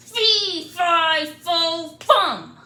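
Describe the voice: Extremely high pitch in a put-on character voice.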